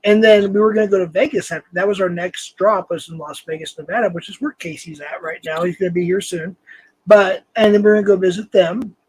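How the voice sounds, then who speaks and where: A man's voice: sits high, fairly even intonation, fairly quick, husky, no room sound, low-quality recording. An older man hosting a live stream, casual and rambling, laughing often. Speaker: host.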